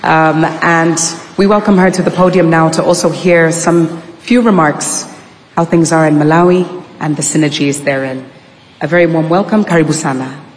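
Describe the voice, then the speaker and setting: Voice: mid-range voice, steady tone, moderate pace, slight background noise. An emcee making polite, formal introductions of speakers at a conference. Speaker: master of ceremonies. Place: large conference hall. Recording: long reverb of a conference hall.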